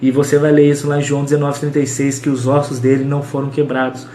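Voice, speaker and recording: A man's voice: medium pitch, completely flat delivery, quick pace, mellow, roomy sound, faint music behind. A man with a Brazilian Portuguese accent teaching a casual Bible study, emphatic and repetitive, with slangy asides.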